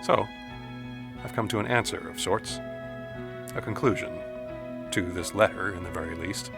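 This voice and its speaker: An actor playing a dead man's trapped, anguished spirit who reads a letter in measured, formal diction in an audio drama. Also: low voice, vocal fry. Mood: solemn, resigned. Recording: music under the voice.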